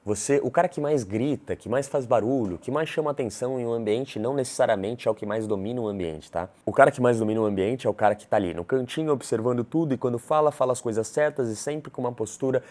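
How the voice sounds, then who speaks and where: A man's voice: mid-range voice, fast, few pauses, darkish tone. A man with a Brazilian accent coaching on communication in a firm, emphatic and blunt manner, swearing casually. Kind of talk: monologue.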